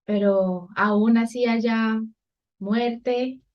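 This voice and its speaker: A woman hosting a church conversation, responding gently and with feeling to a guest's testimony. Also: fairly high pitch, fairly even intonation, drawn-out words. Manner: gentle, moved. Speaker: host. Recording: dull lo-fi sound.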